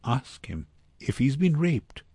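A man's voice: mid-range voice, very animated, takes it slowly, mellow, husky, dry recording, pitched above the performer's own voice, full character voice. A man voicing a concerned, stubborn woman in a storybook, speaking with earnest insistence. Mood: insistent, concerned. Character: concerned, stubborn, determined woman helping a child.

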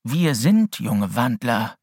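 A man's voice: mid-range voice, very animated, takes it slowly, a little mellow, husky, dry recording, clean studio sound, full character voice. A man voicing a cautious, worried teenage boy who speaks hesitantly and uneasily. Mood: uneasy.

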